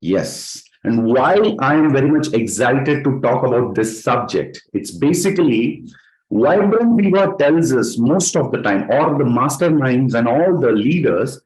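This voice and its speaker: A man's voice: mid-range voice, expressive, a little slow, a little mellow, rough recording. A man with a South Indian accent giving a motivational training talk as a direct-selling leader, putting questions to his listeners and repeating words for emphasis. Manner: rhetorical questions to listeners, emphatic word repetition.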